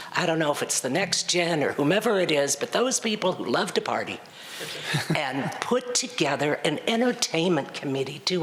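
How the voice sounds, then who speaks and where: Over noticeable background noise, a woman with a fairly low pitch talks at a moderate pace, her pitch swinging very widely. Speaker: community member speaking at board meeting. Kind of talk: public meeting comment. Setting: auditorium meeting.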